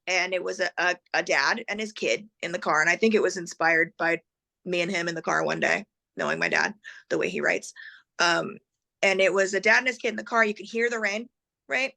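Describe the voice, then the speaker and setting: A woman's voice: on the low side, animated, brisk, vocal fry, bright, forceful tone. A middle-aged woman chatting casually as an interview guest, laughing often and growing emotional as she remembers. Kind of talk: casual conversation.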